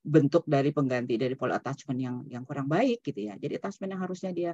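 This online seminar lecture comes from a woman psychologist on a video call whose bass voice is quick, mellow and husky. She keeps it conversational, dropping English words into her speech and adding "gitu ya" to sentences. There's no echo, but the recording is muffled.

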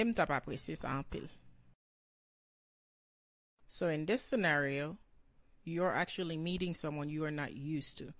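A woman teaching a bilingual language lesson, explaining and repeating phrases slowly in two languages. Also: fairly low pitch, dry recording. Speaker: Haitian Creole teacher.

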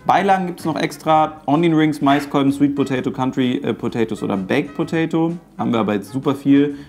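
A man's voice: mid-range voice, brisk, darkish tone, faint music behind. A man in his thirties chatting casually and jokingly in a food vlog, with slang and English phrases mixed in. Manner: jokey, exclamatory, slangy. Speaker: host of a food-testing video. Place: home kitchen, indoors.

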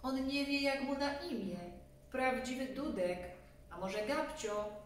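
A cheeky preschool child from a storybook, put on by a woman reader, loud and teasing. The raised voice rings out in a very echoey room. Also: high voice, a little slow, voice pushed up. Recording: echoey room, distant mic, faint hum.

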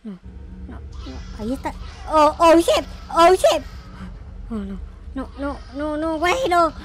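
A man playing a naive, panicky noob game character in excited, repetitive roleplay commentary. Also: extremely high pitch, takes it slowly, heavily acted. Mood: panicked. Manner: frantic, repetitive, exclamatory. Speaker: gaming video creator. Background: faint music.

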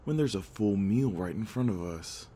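A man's voice: lowish voice, expressive, normal speed, warm tone, slight background noise, natural voice. A man playing a taunting, hungry male vampire gang leader in an audio roleplay, with a sneering, swaggering delivery. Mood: mocking menace.

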